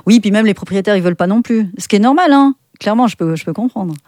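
A middle-aged woman with a Swiss French accent, chatting as a guest in an interview, full of fillers and restarts and quick to laugh. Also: mid-range voice, expressive, mellow, no echo, clean studio sound. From Switzerland. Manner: chatty, many fillers and self-corrections, laughs often. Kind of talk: casual interview chat.

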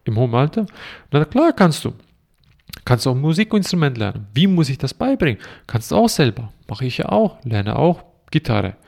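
A man delivers a self-help monologue, piling up rhetorical questions one after another. His voice carries a gravelly fry, and his tone stays preachy and insistent throughout. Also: medium pitch, very animated, normal speed, darkish tone. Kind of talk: monologue to camera.

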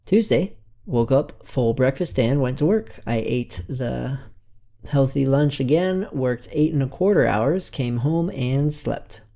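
A man's voice: medium pitch, expressive, measured pace, gravelly, dark tone. A man in his twenties hosting his own weekly self-improvement podcast, a little congested and recounting his week in an earnest, plain way. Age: 20s. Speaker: podcast host. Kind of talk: casual weekly self-recorded update.

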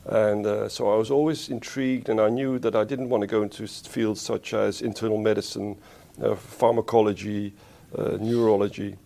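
A man from the Netherlands, a spine surgeon being interviewed, who talks in a thoughtful, unhurried way and corrects himself as he goes. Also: on the low side, flat delivery, vocal fry, warm tone. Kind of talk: conversational interview.

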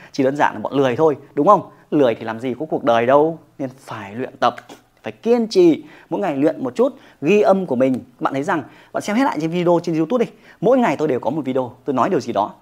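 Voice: mid-range voice, a little mellow. A yoga instructor giving a motivational talk to camera, emphatic and often checking in with the listener through rhetorical questions.

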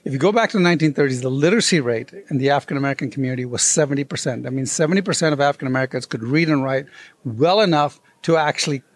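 At a convention, a guest author being interviewed tells a story at a very fast clip in a medium-pitched male voice. He's animated, acting out the voices of the people he quotes.

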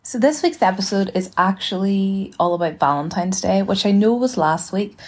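A woman in her twenties hosting a casual solo podcast, chatty and rambling in an informal, relaxed way. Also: mid-range voice, moderate pace. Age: 20s. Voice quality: relaxed, slightly husky. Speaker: podcast host.

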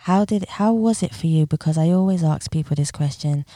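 Woman, podcast host, low pitch, mellow tone, effusive, enthusiastic. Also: a little fast, no room sound, studio quality. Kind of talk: interview hosting.

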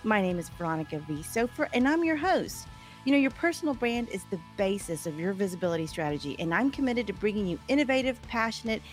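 A woman hosting a podcast, with an enthusiastic, promotional way of introducing the show and her guest. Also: medium pitch. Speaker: podcast host. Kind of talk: upbeat podcast interview.

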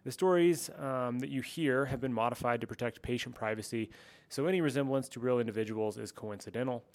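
Gravelly man hosting a podcast. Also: medium pitch, fairly quick, a little mellow. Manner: earnest, with filler ums. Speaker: podcast host. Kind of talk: podcast intro and disclaimer.

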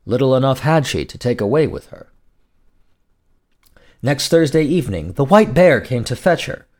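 A man narrating as a storyteller in a gothic, theatrical fairy-tale style, with dramatic, deliberate phrasing. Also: medium pitch, sing-song, darkish tone. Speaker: storyteller, host.

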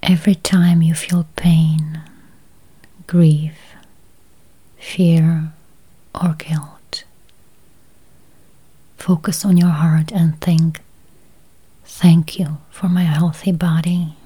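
Breathy, very slow woman guiding meditation. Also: deep voice. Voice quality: soft, breathy, near-whispered. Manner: calm, soothing, deliberate phrasing. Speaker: guided meditation host.

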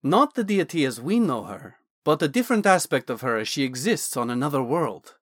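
A man voicing a curious, blithe male dragonborn scholar-mage who lectures in a brisk, lightly excited way. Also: medium pitch, dry recording, studio quality. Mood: explaining.

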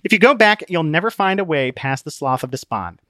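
A man voicing a sardonic, deadpan female hologram book, a scoffing know-it-all in an audiobook story. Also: a little high, fairly quick, dry recording, studio quality, pitched above the performer's own voice. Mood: unbothered.

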